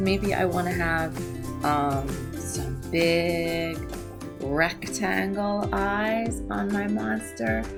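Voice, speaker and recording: Music in the background behind a woman's voice. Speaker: museum educator. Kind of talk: children's craft tutorial. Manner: friendly, hesitant.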